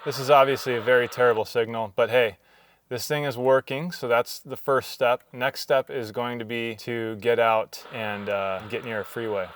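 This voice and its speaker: A man's voice: mid-range voice, noisy background. A man vlogging in a casual, chatty way, explaining things informally as he does a hands-on demo. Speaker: vlog host.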